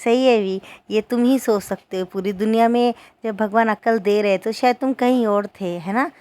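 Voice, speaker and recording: A woman doing a sharp-tongued young woman. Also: fairly high pitch, normal speed, close to an everyday voice. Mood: scolding. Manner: scolding, mocking insults.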